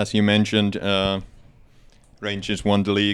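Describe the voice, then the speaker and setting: On a very clean recording with a silent background, a man with a Finnish accent speaks at a fairly low pitch. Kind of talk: interview.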